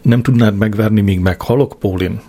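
Male narrator playing a cranky elderly dad, whiny, demanding, husky low voice. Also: fairly even intonation, mellow. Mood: whining. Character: cranky elderly father in a wheelchair.

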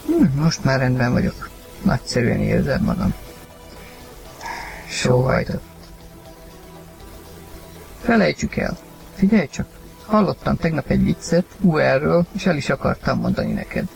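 A man reading a story aloud, narrating and acting the husband's lines with sudden loud outbursts. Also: medium pitch, big pitch swings, vocal fry, long pauses, soft background music. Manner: acted, rising to shouts in heated lines. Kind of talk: dramatized audiobook reading.

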